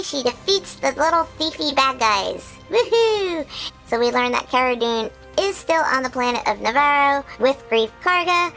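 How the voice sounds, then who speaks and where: A woman voicing an excitable, childlike male creature who hosts a chatty episode recap, bubbly and full of giggles and squeals. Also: high voice, rough recording. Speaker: recap host.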